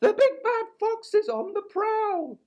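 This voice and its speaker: Man putting on a shrill storybook owl, very high and loud, hooting warnings. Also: very animated, slow pace, exaggerated voice. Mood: alarmed. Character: alarmed male owl, shrill warning hooter. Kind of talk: picture-book read-aloud.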